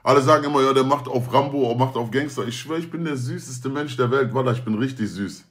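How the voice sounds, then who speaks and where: A man's voice: medium pitch, fast, fairly bright tone. A young man talking casually to viewers on a livestream, slangy and joking, often swearing oaths. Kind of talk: casual stream chat.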